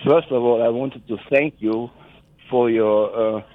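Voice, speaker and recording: An older German-accented man phoning in to a radio show, his voice thin and tinny down the phone line. He rambles and restarts his sentences, stopping to chuckle at his own stories. His pitch sits in the middle for a man. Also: moderate pace. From West Germany. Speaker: caller. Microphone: telephone.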